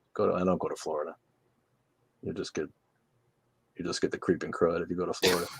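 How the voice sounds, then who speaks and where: A man with a New England accent at a very fast pace, the sound dry and close with no echo. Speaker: livestream host. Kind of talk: casual live-stream chat reading viewer comments. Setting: live stream.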